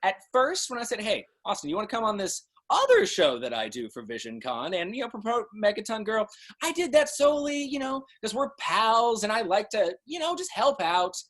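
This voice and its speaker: A young man hosts an interview with enthusiasm. His pitch swings widely, giving his playful delivery a showy, animated shape. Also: fairly quick. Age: young adult. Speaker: interview host. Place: video call from indoors.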